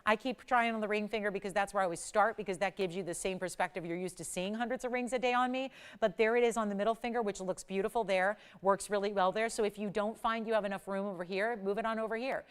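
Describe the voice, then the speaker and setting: A woman in her forties hosting a live TV jewelry shopping show, delivering an enthusiastic, emphatic sales pitch that keeps circling back to the same selling points. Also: fairly even intonation, fast, few pauses, clean tone. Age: 40s.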